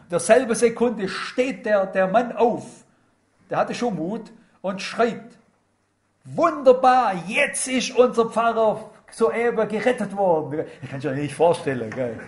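An older man preaching a sermon, retelling a story and quoting scripture with animated, dramatic delivery. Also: sits high, a little hiss or hum.

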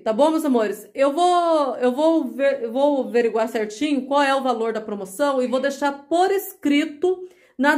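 A woman from Brazil with a high-sitting, slightly mellow voice hosts a casual crochet show-and-tell vlog from home. She chats affectionately as she shows viewers her work. She calls them "meus amores" and "gente".

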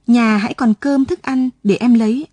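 A woman's voice: on the high side, moderate pace, warm tone, breathy edge, no echo, voice pushed up. A woman reading the part of a tipsy, pushy middle-aged village neighbour who asks a favour. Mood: pleading.

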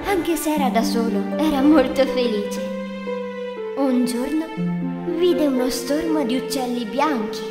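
A woman's voice: high-pitched, a little slow, roomy sound, in a large hall, loud music behind the voice. A woman narrating a children's fairy tale in a scripted storybook style.

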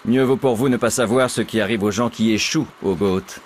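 An actor playing a middle-aged male teacher who gives an exam in a video game, with a dry, matter-of-fact delivery and deadpan humor. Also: on the low side, brisk, a little hiss or hum, natural voice. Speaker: exam proctor. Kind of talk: game character dialogue.

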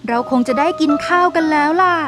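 A woman voicing a kind, humble, poor mother, gentle and polite, in a cartoon story. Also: sits high, fast talker, over music, natural voice.

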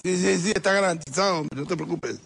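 High gravelly man, self-important official. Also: fast talker, a bit bright. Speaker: minister on the phone in a sketch. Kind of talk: comic phone sketch.

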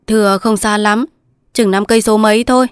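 A woman voicing a calm, kindly old male villager who speaks plainly in a storybook reading. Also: medium pitch, fairly quick, clean tone, no echo, clean studio sound, voice pushed up, lightly acted.

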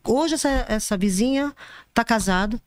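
A woman, a podcast guest, telling a personal story in an animated way, often repeating herself and restarting sentences. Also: a little high, moderate pace, smooth, no echo, studio quality. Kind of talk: storytelling anecdote.

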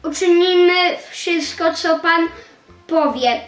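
A young female reader reading scripture dialogue aloud haltingly, stumbling over words syllable by syllable. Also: extremely high pitch, reverberant, faint music behind.

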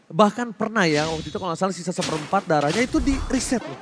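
A man with an Indonesian accent giving excited, exclamatory live play-by-play as an esports caster, in the manner of a fighting game announcer. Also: sits high, background noise. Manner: excited, exclamatory, drawn-out shouts at big plays. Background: music under the commentary.

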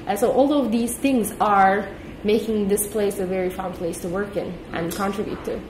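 A woman's voice: mid-range voice, fairly even intonation, moderate pace, darkish tone, echoey room, slight background noise, poor audio. A woman from Turkey, a company executive, answering interview questions thoughtfully and sometimes repeating words as she thinks. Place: office meeting room.

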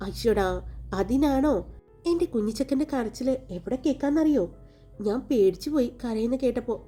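A woman's voice: on the high side, moderate pace, warm tone, faint music behind, natural voice. A woman narrator voicing a tender, doting young mother.

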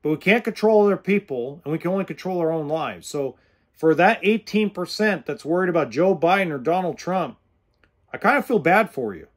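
A man's voice: on the high side, expressive, fairly quick, husky. A man in his forties hosting a podcast, talking straight to the camera in a blunt, earnest way into a close studio mic indoors. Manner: blunt, earnest straight talk with hand gestures. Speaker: podcast host. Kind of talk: casual direct-to-camera talk. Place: indoors in an RV or home kitchen. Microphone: studio mic with pop filter close in front.

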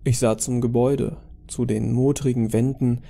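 A man's voice: mid-range voice, little pitch movement, moderate pace, creaky, dark tone, slight background noise. A man narrating a scripted creepypasta horror story.

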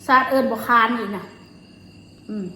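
A woman's voice: normal speed, bright, forceful tone. A woman with an Isan, northeastern Thai accent chats casually about her own life, talking while chewing. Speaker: vlogger. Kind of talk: casual chat, recounting personal stories. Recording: roomy echo, faint noise, insects.

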